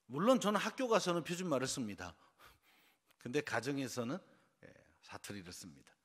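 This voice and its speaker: With big pitch swings and a fairly quick pace, a mid-range-voiced pastor from Seoul, South Korea, delivers an early-morning sermon in a church sanctuary. He quizzes the congregation as he goes, and the room's long reverb carries his voice.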